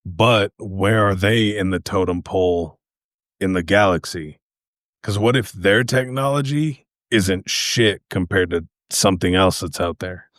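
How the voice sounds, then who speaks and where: A man co-hosting a podcast, talking through stories in loose casual chat. His voice is very low, and his delivery is laid-back and peppered with swearing. The recording is close and dry. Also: unhurried, a bit bright, no echo. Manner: laid-back, profane, storytelling. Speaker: podcast co-host.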